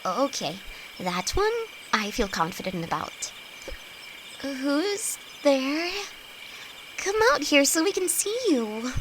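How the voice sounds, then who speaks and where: A woman's voice: high-pitched, animated, slow, pauses often. A woman acting a timid, affectionate young apprentice alchemist in an intimate audio roleplay, nervous, stammering and hesitant, speaking to her best friend. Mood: alarmed, confused. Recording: insect and cricket noise behind voice. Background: night forest ambience with crickets.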